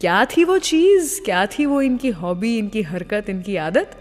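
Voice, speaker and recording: A woman radio host telling anecdotes to listeners in a lively way, posing questions and then answering them. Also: medium pitch, a little slow, long reverb tail. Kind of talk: radio presenting, anecdotal storytelling.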